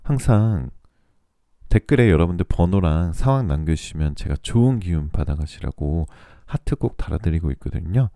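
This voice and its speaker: A man reading tarot for listeners in a soothing, polite, measured radio-like style, his voice still recovering from a throat cold. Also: sits low, expressive, warm tone, no echo, clean studio sound. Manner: soothing, polite, measured delivery meant to lull listeners to sleep. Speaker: tarot reader and channel host.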